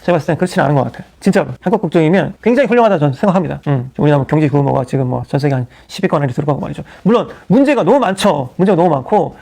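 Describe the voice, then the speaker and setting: A middle-aged pastor from South Korea preaching in an animated, conversational way, full of asides and acted-out quotes. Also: male voice, on the high side, very fast, gravelly, hardly any pauses. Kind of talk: sermon.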